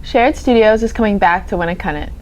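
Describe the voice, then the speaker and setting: A woman's voice: mid-range voice, fairly quick, a little mellow, muffled recording, slight background noise. A teenage girl co-hosting a school news show, speaking in a casual, chatty way with plenty of fillers. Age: teens. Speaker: student news anchor. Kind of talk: scripted school news banter.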